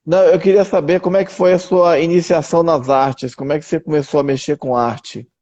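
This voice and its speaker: A man's voice: fairly high pitch, steady tone, brisk, a little mellow, muffled recording. A man hosting an interview over a video call that keeps dropping out, checking the connection and repeating himself. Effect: call dropping out, patchy connection. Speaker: host of an online gallery interview.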